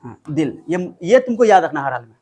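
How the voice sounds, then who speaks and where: A male chemistry tutor with a fairly high, sing-song voice and a darkish tone talks fairly quickly. His informal lesson blends Hindi with English terminology, and he keeps repeating formulas while telling off his student.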